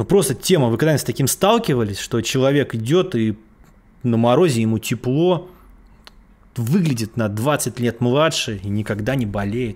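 With long, frequent pauses, a man speaks in a medium pitch and lively intonation. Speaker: online course teacher. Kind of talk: lecture. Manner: slow, with pauses. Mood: animated storytelling. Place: office. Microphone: webcam.

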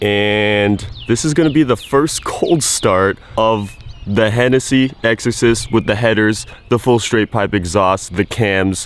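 A man speaks at a fairly slow pace with ordinary pitch variation, the sound dry with no echo. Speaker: car vlogger. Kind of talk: casual vlog chat. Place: street. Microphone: phone near.

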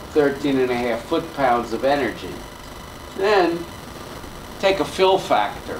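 Speech at a fairly slow pace shows ordinary pitch variation over noticeable background noise. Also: man. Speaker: presenter. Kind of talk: technical talk. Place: meeting room. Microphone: camera far.

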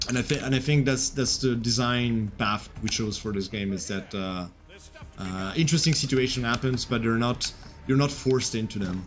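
A man of medium pitch speaks at a moderate pace with ordinary pitch variation. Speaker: game director. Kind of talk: live gameplay demo stream. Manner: upbeat.

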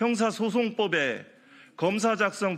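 This man projects a raised voice with a bright, sharp tone and a high pitch. The recording is very clean, with a silent background. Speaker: advisory committee member. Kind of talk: press conference statement. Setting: press room at the National Assembly. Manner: formal.

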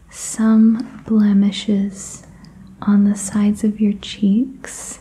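A soft-spoken woman talks in a gentle tone. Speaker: skincare role-play host. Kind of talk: soft-spoken role-play talk to the viewer. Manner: soft-spoken, gentle ASMR voice. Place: home room.

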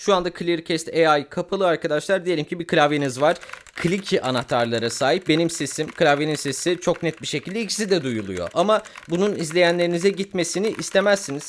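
At a moderate pace, a man with a high pitch and ordinary pitch variation talks over noticeable background noise. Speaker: tech reviewer. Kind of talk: product review. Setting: indoor room, recording through reviewed mics.

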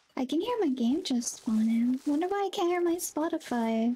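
A woman is speaking. Her voice is quiet. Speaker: vtuber streamer. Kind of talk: casual gaming livestream chat. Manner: halting, hesitant. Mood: mildly puzzled, low-key.

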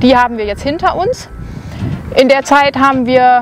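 A woman speaks fairly slowly in a high voice over faint background music. The sound is dry, with no echo. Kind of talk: informational presentation. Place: open country. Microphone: lapel.

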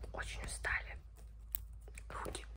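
A woman is whispering. Her voice is soft-spoken. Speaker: ASMR creator. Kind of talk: soft ASMR chat. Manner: soft ASMR whisper close to mic. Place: home room. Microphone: phone near.

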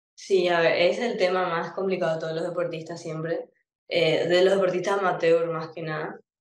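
Heard with audible room echo, a woman talks at a moderate pace in a fairly low, monotone voice with flat intonation. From Paraguay. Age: 20s. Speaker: roller skater. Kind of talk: interview.

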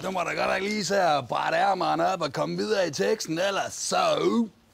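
A man speaks with a North Jutland accent. Music plays in the background. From Aalborg, North Jutland, Denmark. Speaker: rapper. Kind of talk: TV interview answer. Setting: outdoors. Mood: playful, laughing. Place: street. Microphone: lapel.

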